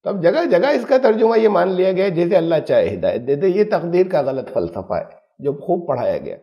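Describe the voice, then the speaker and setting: A Quran teacher delivers an emphatic, explanatory lesson on scripture, drawing on everyday examples. His voice is high with big pitch swings, and the recording's highs are cut off.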